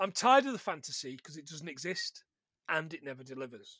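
A man with an East Midlands accent speaks at a fairly quick pace. His tone is bright and sharp, and the sound is dry and close with no echo. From England, Nottingham. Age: 40s. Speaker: podcast host. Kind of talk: casual chat.

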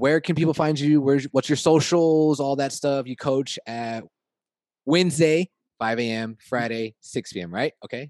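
In a normal speaking voice, a man with fairly high pitch and ordinary pitch variation talks at a fairly slow pace, with a dry, close sound, no echo and a quiet background. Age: 30s. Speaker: podcast host, fitness coach. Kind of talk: casual interview.

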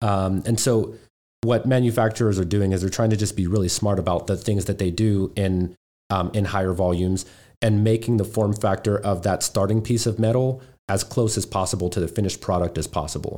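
This man talks at a fairly quick pace in a fairly low, dark, mellow voice, his intonation fairly even and his loudness very even, on a very clean recording with a silent background. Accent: American. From Pittsburgh, US. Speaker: manufacturing startup founder. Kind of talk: interview.

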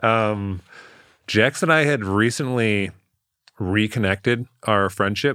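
In an American accent, a man speaks very slowly with long, frequent pauses, fairly low in pitch and with ordinary pitch variation. His tone is bright and sharp, and the recording is very clean with a silent background. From Michigan. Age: 30s. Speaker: music industry manager. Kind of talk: casual chat. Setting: studio.

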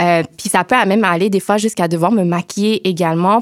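A woman talks at a moderate pace in an ordinary speaking voice, medium in pitch with fairly even intonation. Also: dry, close sound with no echo. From Montreal, Quebec (Saint-Michel). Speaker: doctoral student, community activist. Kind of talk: panel discussion.

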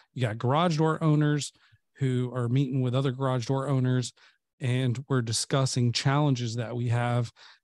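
An unremarkable speaking voice, this man has an American accent, medium pitch and fairly even intonation, talking at a moderate pace with a dry, close sound with no echo and a quiet background. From US South, Macon, Georgia. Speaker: entrepreneur, garage door company owner. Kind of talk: interview.

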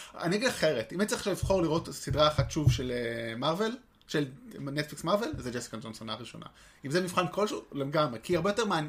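Talking at a very fast pace with lively intonation, a man uses a fairly high pitch. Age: 30s. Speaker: podcast host. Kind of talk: casual chat.

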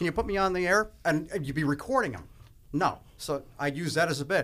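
A man with an American accent speaks at a fairly quick pace in a high voice. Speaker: radio voice-over producer. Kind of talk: casual chat. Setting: studio. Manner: laid back.

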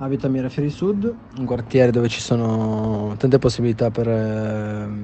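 With a normal speaking voice, a man talks at a moderate pace and with fairly even intonation. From Turin, Italy. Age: 20s. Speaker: butcher shop worker. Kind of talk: personal testimony.

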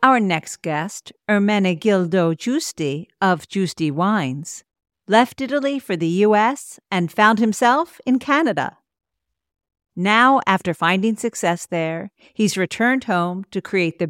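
A woman's normal speaking voice at a medium pitch, at a fairly slow pace with lively intonation, on a very clean recording with a silent background and a dry, close sound with no echo. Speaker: podcast host. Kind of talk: interview and scripted narration.

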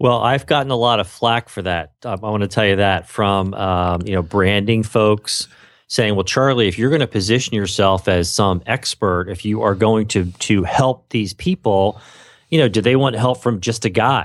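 A man with an American accent and a fairly low pitch speaks at a moderate pace with ordinary pitch variation in a plain, everyday voice. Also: very clean recording, silent background. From Philadelphia area, Pennsylvania. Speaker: online business podcaster. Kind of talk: interview.

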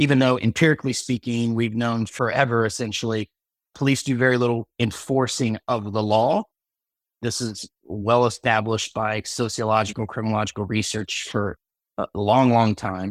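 This man has a normal speaking voice at medium pitch. He talks at a moderate pace with fairly even intonation. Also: dry, close sound with no echo. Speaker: author and police scholar. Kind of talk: webinar discussion.

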